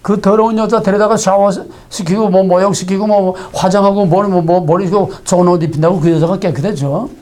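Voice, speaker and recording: A man's voice: high-pitched, steady tone, a little fast, few pauses, darkish tone. A male preacher delivering a sermon with heavy emphasis. He stacks up repeated phrases and throws rhetorical questions at the congregation.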